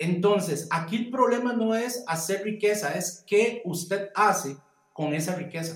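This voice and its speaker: A man talks in a high pitch at a fairly slow pace. His pitch varies in an ordinary way. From Costa Rica. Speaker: pastor and entrepreneur. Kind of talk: casual chat.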